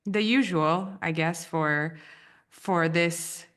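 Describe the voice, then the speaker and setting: Romanian-born woman in her 30s, first language romanian, lowish voice, thinks out loud and keeps repeating herself. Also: slow, clean tone. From Romania, raised in the US. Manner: thoughtful, repeats and restarts phrases. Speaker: guest, branding editor. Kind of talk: reflective podcast interview.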